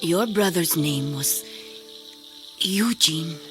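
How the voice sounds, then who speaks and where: A woman playing a full-grown enchanted tribal princess in an audio drama, with measured, formal phrasing. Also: low voice, expressive, music in the background, heavily acted. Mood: solemn, calm.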